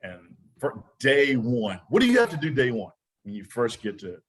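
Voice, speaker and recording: A man's voice: mid-range voice, huge pitch swings, normal speed, slightly rough. A man from Alabama with a Southern accent, chatting and joking as a podcast guest. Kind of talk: casual podcast chat.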